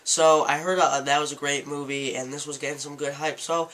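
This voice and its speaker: A man's voice: on the high side, fairly even intonation, brisk, a bit bright. Stuffy-nosed man with a nasal voice. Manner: rambling, restarts sentences. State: sick with a stuffy nose. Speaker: movie reviewer. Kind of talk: casual unedited movie review vlog.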